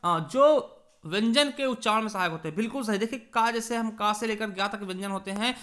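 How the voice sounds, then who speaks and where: A young male teacher with an eastern Uttar Pradesh Hindi accent leads an exam-prep grammar lesson in a high, bright voice. He asks his own questions and answers them at once. He repeats points and stretches sounds to show them. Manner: addresses listeners as friends, drawn-out examples.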